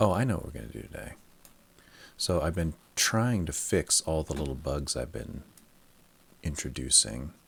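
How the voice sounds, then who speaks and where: A soft-spoken man with a very deep, low pitch and vocal fry, very wide pitch swings, a moderate pace and long, frequent pauses. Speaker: indie game developer streamer. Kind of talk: casual live-stream coding chat. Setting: home live stream. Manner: quiet, soft-spoken.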